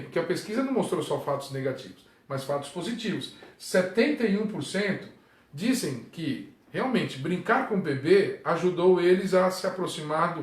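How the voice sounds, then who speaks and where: A Brazilian man, a pastor, talking casually on a livestream from home, with frequent tag questions and sudden jumps up in pitch for emphasis. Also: echoey room. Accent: Brazilian Portuguese. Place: room at home.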